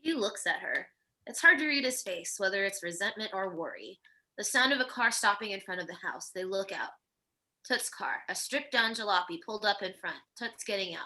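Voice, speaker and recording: A woman's voice: mid-range voice, lively intonation, a little fast, sharp tone. A woman narrating a screenplay, reading stage directions in a scripted table-read style.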